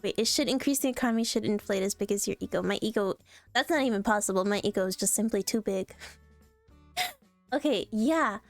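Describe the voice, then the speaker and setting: A young adult woman streaming casually, reacting to posts in a playful, animated way and laughing often. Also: medium pitch, fairly quick, no echo, soft background music.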